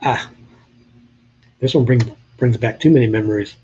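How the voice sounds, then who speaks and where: Older New Englander with a slight southern drawl, chatting. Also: male voice, mid-range voice, moderate pace, warm tone, breathy edge, highs cut off. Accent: Southern US with New England traces. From New Hampshire. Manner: chatty, joking, talks to viewers in chat. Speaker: live-stream host. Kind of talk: casual live-stream chat showing old photos.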